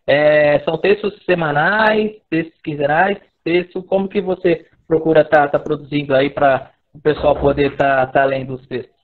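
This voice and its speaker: A man hosts a live chat, asking long, looping questions with plenty of restarts. His voice sits a little higher than most men's. The audio is dull and lo-fi, like a video call. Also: steady tone, normal speed. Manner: friendly, rambling questions with restarts. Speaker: host, interviewer. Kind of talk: casual live interview.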